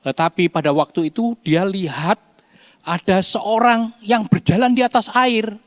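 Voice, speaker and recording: A man teaching a children's Bible lesson, telling the story with animated storytelling and acting out the cries. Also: sits high, measured pace, no echo, clean studio sound. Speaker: Sunday school teacher.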